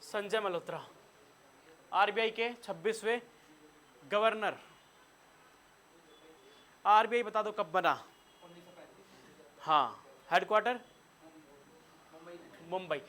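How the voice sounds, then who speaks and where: A man with a Hindi accent teaching a room of students, his voice high and bright as he quizzes them on facts. He keeps firing questions and telling the class what to note down. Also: takes it slowly, long pauses. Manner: quizzes students and has them take notes. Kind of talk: classroom lecture.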